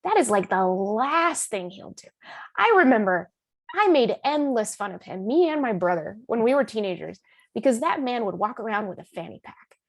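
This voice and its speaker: A woman author being interviewed, speaking in an animated, emphatic and informal storytelling way. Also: a little high, normal speed, no echo. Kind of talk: conversational storytelling in a public talk.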